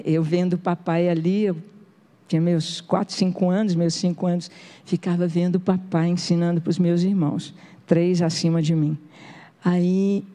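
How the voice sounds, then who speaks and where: A woman's voice: lowish voice, warm tone. A woman pastor giving a sermon as a story, talking to the congregation like a conversation and often asking them questions.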